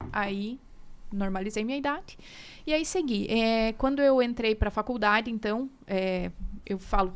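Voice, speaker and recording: Delivered at a fairly slow pace with long, frequent pauses, the speech has ordinary pitch variation. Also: woman, fairly high pitch for a woman. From southern Brazil, southwest Paraná. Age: 30s. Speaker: physiotherapist. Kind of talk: interview.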